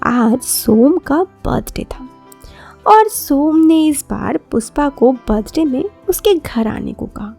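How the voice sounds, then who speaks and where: A woman's voice: high voice, animated, slow, vocal fry, dark tone, faint music behind. A woman narrating a scripted romantic story as a podcast storyteller.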